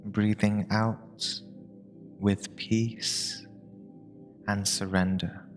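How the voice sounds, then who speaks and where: A man narrating a guided meditation in a soothing, measured way, leaving long pauses between short phrases. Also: fairly low pitch, little pitch movement. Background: meditation music with binaural tones.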